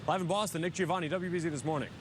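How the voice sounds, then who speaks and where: A man's voice: steady tone, rapid-fire. A man working as a news reporter, giving a scripted live report from outdoors. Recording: outdoor traffic rumble behind voice.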